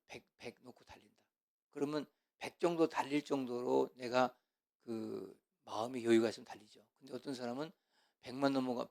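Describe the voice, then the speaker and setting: A man preaches in an animated lecture style, firing off rhetorical questions. His delivery swings between loud stretches and hushed asides. His voice sits at a middle pitch. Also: creaky. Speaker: pastor. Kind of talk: sermon lecture.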